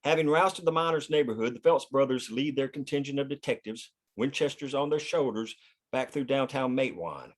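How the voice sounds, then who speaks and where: A man's voice: mid-range voice, a little fast. A man narrating the scene directions of a screenplay at a table read. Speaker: narrator reading stage directions.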